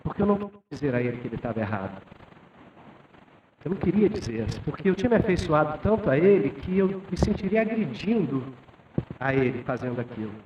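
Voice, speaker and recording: A man in his fifties, a lecturer from Brazil, tells a story in a loose, chatty way and keeps checking in with his listeners. His voice sits a little high for a man. He is recorded from a distance in a roomy hall with a faint hiss behind him. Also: very animated, quick pace, highs cut off. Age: 50s. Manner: conversational, tags sentences with "né?". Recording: echoey hall from far off with faint noise.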